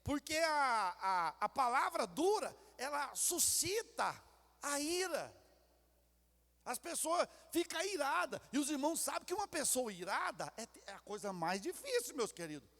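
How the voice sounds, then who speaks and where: Brief: Brazilian pastor, high lively voice, preaching in a long-echo hall. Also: male voice, unhurried. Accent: Brazilian Portuguese. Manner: acts out quarrels in character voices. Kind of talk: sermon. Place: church sanctuary. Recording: reverberant church hall.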